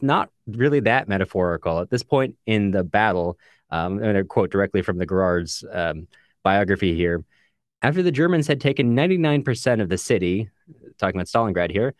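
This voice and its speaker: A man's voice: lowish voice, dry recording, clean studio sound. A man co-hosting a casual book discussion podcast, explaining in a discursive way with many asides. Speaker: podcast co-host. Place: recording booth.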